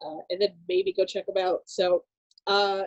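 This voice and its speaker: A woman in her thirties from Southern California, a podcast guest telling her life story in a relaxed way, laughing easily and using many fillers. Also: medium pitch, normal speed, vocal fry, dull audio. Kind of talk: personal testimony in casual chat.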